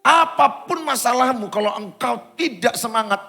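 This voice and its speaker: High-voiced pastor preaching with dynamic swings. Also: male voice, animated, normal speed, creaky, soft background music. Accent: Indonesian, Medan. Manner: dynamic preaching, swings between loud exhortation and quiet asides. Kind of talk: sermon. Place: church auditorium.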